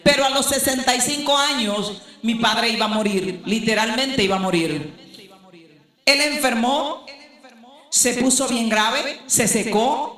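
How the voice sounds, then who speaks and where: An older woman pastor preaching a sermon, swinging between loud emphatic outbursts and low, slow, deliberate phrases. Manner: emphatic preaching, rising to shouts then dropping low. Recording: echoey room.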